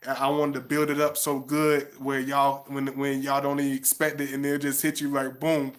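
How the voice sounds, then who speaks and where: A man's voice: mid-range voice, completely flat delivery, moderate pace. A man, talking to viewers in a rambling way with many restarts and "you know what I'm saying". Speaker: channel host. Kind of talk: casual monologue to viewers.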